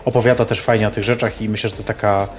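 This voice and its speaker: A man's voice: lowish voice, level tone, rapid-fire. A man hosting a talk show in a casual, chatty, playful and teasing way.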